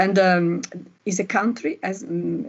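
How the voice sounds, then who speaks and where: A woman's medium-pitched voice with vocal fry. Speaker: urbanism professor giving a masterclass talk. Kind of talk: lecture. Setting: online video lecture.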